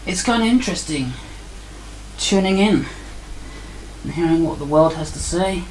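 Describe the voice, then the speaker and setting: A man's voice: fairly high pitch, expressive, moderate pace, low-quality recording. Grumpy, dry-humored man narrating his workbench tinkering; a faint hiss underneath. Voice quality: grumpy, sarcastic. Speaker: hobbyist radio builder. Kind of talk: casual demo narration. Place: indoor workbench.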